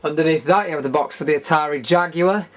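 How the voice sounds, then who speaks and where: A man's voice: a little high, quick pace. A British man hosting a retro gaming show, casually narrating a room tour in an informal, rambling, enthusiastic way.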